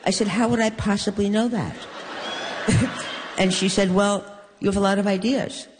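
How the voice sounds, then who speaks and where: An older woman from New York, a guest in an onstage conversation, telling stories with wry, deadpan humor. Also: mid-range voice, moderate pace, noisy background. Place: stage in a hall. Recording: long reverb of a large hall.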